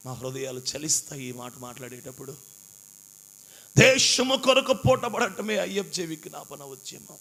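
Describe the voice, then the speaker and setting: An impassioned male pastor. His voice sits high and swings widely as he preaches, with a bright, sharp edge to it. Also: big pitch swings, normal speed, vocal fry. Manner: impassioned preaching, acting out pleas and quotes. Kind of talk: sermon.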